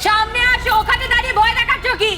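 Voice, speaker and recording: A woman's voice: very high-pitched, little pitch movement, very fast, over loud music, over a noisy crowd. An actress playing a bold, defiant woman who speaks in a challenging, insistent way in a television serial. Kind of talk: television serial drama acting.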